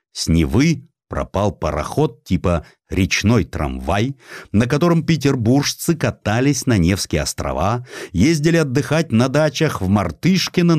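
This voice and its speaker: Male narrator for historical prose: lowish voice, very varied delivery, wry and theatrical, close dry studio sound. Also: a little mellow, dry recording. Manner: wry, theatrical storytelling with acted quotes. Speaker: audiobook narrator. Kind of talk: expressive dramatized narration of historical sketches.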